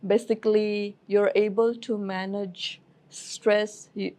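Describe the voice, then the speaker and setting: A woman from Fiji, a health ministry officer answering interview questions in a measured, explanatory way, often filling with "uh" and "you know". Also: mid-range voice, level tone, mellow.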